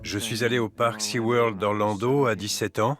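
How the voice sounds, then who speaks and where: A man who was a marine park trainer, recalling the past calmly in a dubbed documentary interview. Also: on the low side, moderate pace, over music.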